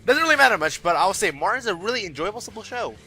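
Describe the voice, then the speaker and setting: A man's voice: sits high, sing-song, fast talker, pushed and bright, soft background music. A young man narrating a scripted comedic anime review with sarcastic, joking asides.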